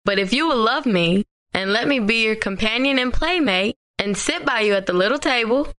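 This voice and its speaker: A woman voicing a persistent little male frog in a storybook reading, speaking in a soft, coaxing way. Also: a little high, lively intonation, normal speed.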